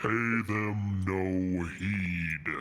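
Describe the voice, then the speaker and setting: A man speaks in a put-on character voice with a very deep, low pitch. His intonation stays fairly even. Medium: actual play. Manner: commanding, ominous.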